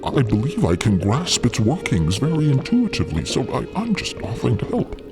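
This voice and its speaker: A man plays a gentle creature from another realm in an audio drama. He speaks with formal, halting dignity, his pitch rising and falling dramatically. Music plays underneath. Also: wildly swooping pitch. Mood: earnest explaining. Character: gentle, dignified otherworldly male being, formal and patient.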